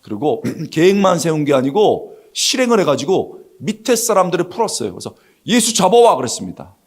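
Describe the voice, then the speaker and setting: A middle-aged man preaches in a church, telling the scripture like a story and slipping into the voices of its characters. His voice sits on the high side and swings widely in pitch. He keeps asking the congregation questions to draw them in. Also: very animated, fairly quick. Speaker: pastor. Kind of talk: lively sermon with acted-out quotes. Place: church sanctuary.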